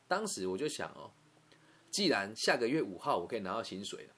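Taiwanese guy, fairly low voice, talks fast, emotional and chatty, keeps asking "you know". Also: fairly bright tone. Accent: Taiwanese Mandarin. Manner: emotional, conversational, repeats words and asks "you know?". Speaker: storyteller. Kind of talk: personal storytelling monologue.

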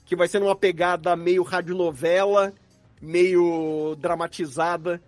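A man's voice: high voice, flat delivery, a little slow, no echo, faint music behind. A man with a Brazilian Portuguese accent chatting casually as a guest in a live podcast interview. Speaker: podcast guest, audio drama producer.

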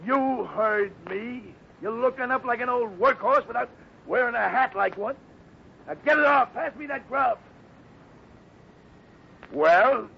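A man's voice: extremely high pitch, unhurried, creaky, pauses often, dull audio, a little hiss or hum, heavily acted. An actor playing a cocky, threatening outlaw gunman with slangy speech in a 1950s radio western, on an old broadcast recording. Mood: blustering, bossy. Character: snarling desperate outlaw gunman, bullying and cocky.

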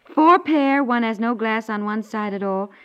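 An actress playing a practical, fondly nagging housewife in a chatty 1950s radio domestic comedy. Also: female voice, a little high, normal speed, close to an everyday voice. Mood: brisk, teasing. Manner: chiding, conversational, chuckling exasperation. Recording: dull lo-fi 1950s radio recording.

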